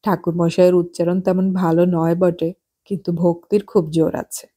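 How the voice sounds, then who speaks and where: A woman's voice: fairly low pitch, flat delivery, moderate pace, warm tone, husky. A woman voicing a polite but wry young priest in an audiobook, speaking in a dry, mock-humble way. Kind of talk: audiobook character voice.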